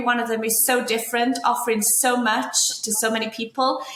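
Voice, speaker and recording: Against noticeable background noise, a woman with an English accent speaks at a fairly high pitch and a moderate pace. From England. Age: 50s. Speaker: travel company founder. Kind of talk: podcast interview.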